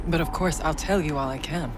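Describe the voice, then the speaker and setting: An actress playing a devoted tribal priestess in a video game, speaking in a solemn, prayerful way, with game music behind. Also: female voice, deep voice, fairly quick, background noise, close to an everyday voice. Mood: earnest.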